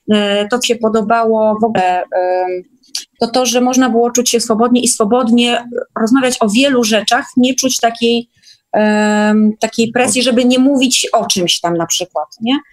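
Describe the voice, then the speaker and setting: Casting: female guest, fairly high voice, casual and chatty, seeks agreement as she talks. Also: fairly even intonation, normal speed. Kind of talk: casual chat in an online meeting.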